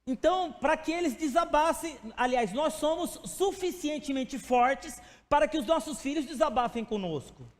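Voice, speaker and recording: A man's voice: extremely high pitch, animated, normal speed, few pauses. A male pastor preaching a sermon in a conversational way, speaking to the congregation by name and acting out little stories. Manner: acts out stories with quoted voices. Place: church sanctuary. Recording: long church hall reverb.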